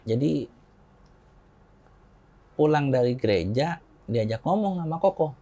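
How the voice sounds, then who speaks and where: A man in his forties from Indonesia, an interview guest telling a personal story in a relaxed conversational way, acting out quoted dialogue in a raised voice and chuckling often. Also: mid-range voice, measured pace.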